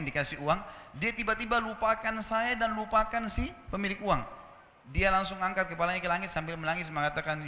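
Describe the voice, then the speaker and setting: A man with a bright, high-pitched voice tells a story as a sermon, switching into the voices of his characters. His words ring out with a long reverb, as in a large echoing hall. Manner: acts out quoted voices with rising pitch. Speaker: preacher.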